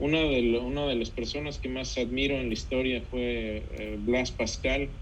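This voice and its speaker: Speaking at a fairly slow pace, the voice belongs to a man. Room echo can be heard. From Mexico. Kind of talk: interview conversation.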